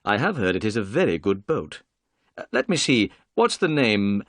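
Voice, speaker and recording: A storyteller voices a calm, clever male detective who is brisk and polite, his pitch lively as it rises and falls. The performance is heavily acted, and the recording is dry and close-miked.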